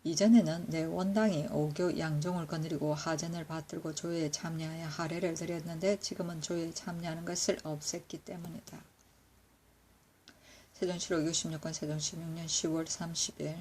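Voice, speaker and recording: Woman, low register, steady archival reading with faint noise behind; measured recitation, catches her own slips. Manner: steady, measured recitation with occasional self-corrections. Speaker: reader of historical records. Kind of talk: reading court annals aloud.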